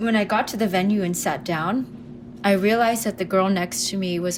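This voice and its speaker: A woman with an American accent at medium pitch and moderate pace, her intonation lively, over noticeable background noise. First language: not English (Chinese Cambodian family). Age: 20s. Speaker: podcaster. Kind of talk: casual monologue. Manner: casual, chatty.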